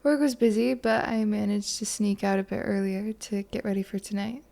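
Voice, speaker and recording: Woman acting a smitten, soft-spoken flirty date, lightly gravelly. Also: medium pitch, fairly even intonation, normal speed, natural voice. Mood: tender, excited. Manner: soft, flirty, reassuring, with small chuckles. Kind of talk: romantic audio roleplay, one side of a conversation.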